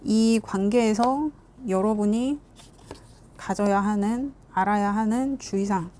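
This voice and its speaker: A woman's voice: mid-range voice, measured pace, dark tone, slight background noise. A woman giving a casual tarot reading, chatty and emphatic, often speaking straight to her viewers. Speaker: tarot reader.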